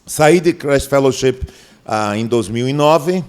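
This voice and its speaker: A man's voice: mid-range voice, slow pace. A middle-aged man from Manaus, Brazil, a pastor in a podcast interview who tells stories and acts out the dialogue. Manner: animated storyteller, acts out dialogue in a raised voice.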